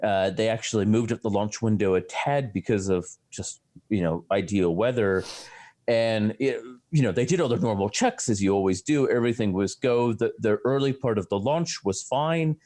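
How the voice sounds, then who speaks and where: A low-pitched American man talks through a science story. He is chatty and loose, with many restarts and fillers. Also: normal speed, darkish tone. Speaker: astrophysicist co-host. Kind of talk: casual science chat.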